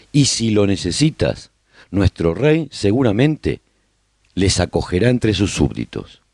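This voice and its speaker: A man acting as a survivor of a collapsed world tells his story in a radio drama. His voice is low and husky, with melody that rises and falls freely as he addresses listeners directly. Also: mellow, dry recording, clean studio sound, exaggerated voice. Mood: welcoming, earnest. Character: male survivor broadcasting his community's story after humanity's collapse.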